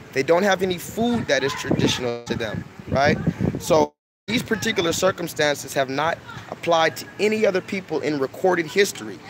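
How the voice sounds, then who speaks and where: Brief: young man, emphatic preachy vlogger, higher-pitched voice, loud street noise behind. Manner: emphatic, repeats himself, lectures. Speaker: online video host. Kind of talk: preachy casual monologue. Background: street noise, crying children.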